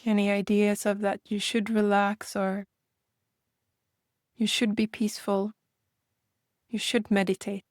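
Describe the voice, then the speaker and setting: A woman leading a guided meditation in a gentle manner, speaking in unhurried invitations with long pauses. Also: medium pitch, flat delivery, no room sound, clean studio sound.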